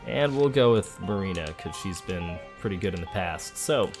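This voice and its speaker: Low-voiced man, relaxed game commentary. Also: moderate pace. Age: adult, parent of a school-age child. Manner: relaxed, chatty, thinking aloud. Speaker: let's play host. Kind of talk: casual gameplay commentary. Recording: game music behind the voice. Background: video game music.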